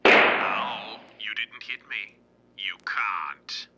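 A man playing a calm, menacing, invisible vigilante who taunts deliberately in a 1930s radio drama style. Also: lowish voice, creaky, background noise, full character voice. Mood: taunting.

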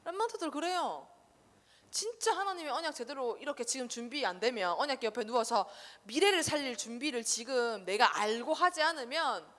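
Woman children's preacher, high and lively, quizzing the kids, long church-hall reverb. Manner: animated, quizzes listeners with rhetorical questions. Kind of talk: casual sermon to children. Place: church sanctuary.

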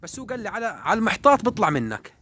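A man talks quickly and animatedly as he watches his pigeons fly from the loft, often repeating himself. His voice sits a little high. Faint background noise and birds come through the phone recording. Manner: animated, repeats words, calls and hisses at birds. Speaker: pigeon keeper vlogger. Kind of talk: casual running commentary while flying pigeons.

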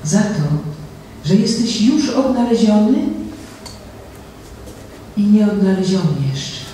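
A middle-aged woman reciting poetry in a slow, measured, solemn way on a small stage with a handheld mic. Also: medium pitch, mellow, a little hiss or hum. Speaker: poetry reader. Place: small venue on a stage before an audience. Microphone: handheld mic, from a distant camera. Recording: very echoey room heard from far off.

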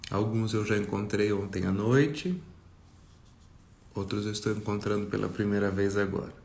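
A Brazilian man leading a guided meditation talk for a group, speaking reflectively with long pauses. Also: on the low side, steady tone, gravelly, darkish tone. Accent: Brazilian Portuguese. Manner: slow, pausing, reflective. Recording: roomy echo, faint music behind.

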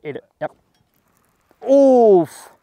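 A man's voice: very high voice, very slow, no room sound, highs cut off. A young man from Texas, hosting a casual fishing vlog from a boat on a lake, joking and exclaiming at every catch. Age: young adult. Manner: excitable, jokey, exclaims at catches. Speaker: fishing video host. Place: open boat on a lake, outdoors.

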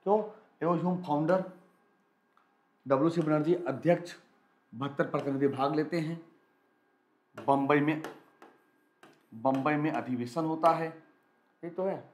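Energetic male exam-prep teacher, echoey room. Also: a little high. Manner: energetic, repetitive, coaxing students to answer quickly. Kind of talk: live quiz lesson for students.

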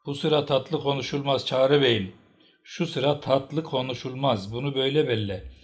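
A man voicing an old tribal matriarch, sharp and scolding as she rebukes the chieftains. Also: mid-range voice, moderate pace, pitched above the performer's own voice, close to an everyday voice. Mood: angry.

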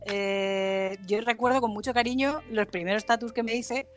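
A woman's voice: on the high side, fairly even intonation, moderate pace, soft background music. A woman tattoo artist, a guest chatting casually on a podcast, swearing and laughing easily.

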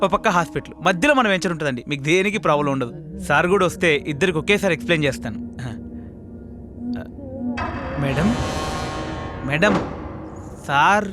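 A man's voice: a little high, lightly acted. An actor playing a desperate, pushy real estate salesman in a comic film, who wheedles and pleads with a customer and rants in asides. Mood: pitching.

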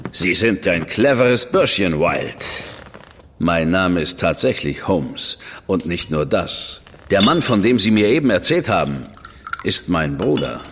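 A man's voice: deep voice, sing-song, a little slow, big-room sound, slight background noise, exaggerated voice. An actor playing a stern, powerful government man in a radio drama, speaking in a curt, cool and commanding manner. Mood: dry, curt. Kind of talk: German studio radio drama acting.

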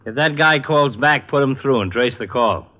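An actor playing a worried homicide lieutenant in a 1940s radio drama, speaking in a terse, businesslike way. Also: male voice, medium pitch, moderate pace, lightly acted. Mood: uneasy. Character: gruff, worried male homicide police lieutenant. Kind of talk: 1940s radio detective acting. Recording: muffled old radio transcription.

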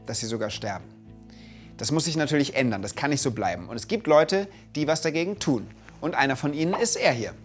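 Man in his thirties, kids' show host, animated pitch, enthusiastic and clear, music behind. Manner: enthusiastic, clear, speaking to kids. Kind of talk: educational narration for children. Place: colorful indoor studio set.

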